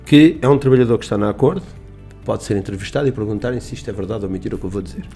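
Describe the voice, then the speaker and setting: In a radio studio, a middle-aged Portuguese business owner tells stories in a rambling, emphatic way, with restarts and quoted dialogue. His fairly low, mellow voice runs very fast over soft background music.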